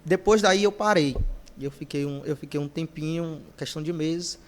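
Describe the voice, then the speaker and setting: Guy singer on a podcast, kinda high voice, tells stories and does little voices for everyone he quotes. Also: normal speed. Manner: lively storyteller who acts out quoted voices. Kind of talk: casual storytelling interview.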